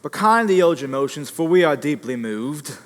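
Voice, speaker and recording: A man's voice: on the high side, expressive, fairly quick, close to an everyday voice. A man playing a cheerful soup seller who makes a grand thankful speech and sings in a stage musical. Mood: orating. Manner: grand, speechifying, then singing. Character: cheerful male soup seller, grateful debtor. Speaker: stage actor and singer. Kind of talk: musical theatre speech and song. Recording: stage with loud pit orchestra.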